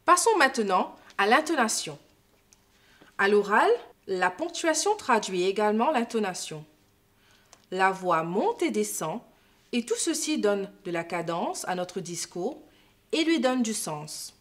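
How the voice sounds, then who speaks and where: A woman's voice: medium pitch, very animated, a bit bright. A woman teacher giving a scripted lesson, explaining carefully and didactically. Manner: slow, careful, didactic delivery. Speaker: French teacher.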